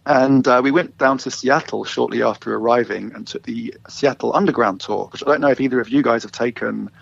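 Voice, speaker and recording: Gravelly London man telling stories. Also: mid-range voice, fairly quick. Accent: London English. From England. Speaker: guest, walking tour founder. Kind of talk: casual interview storytelling. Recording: slightly dull lo-fi sound.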